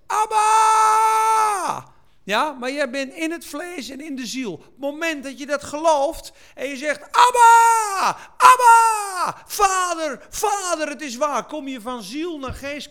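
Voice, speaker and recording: A man preaching a sermon, slow and emphatic, at times crying out or singing lines. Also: very high voice. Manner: slow, emphatic delivery, swelling to shouts and sung lines.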